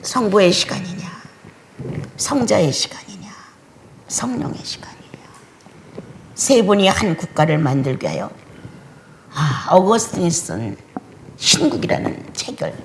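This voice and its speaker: Older woman pastor, dramatic sermon delivery, very animated pitch, faint hiss behind. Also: measured pace, pauses often. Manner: dramatic preaching, swinging between loud exclamations and hushed whispers.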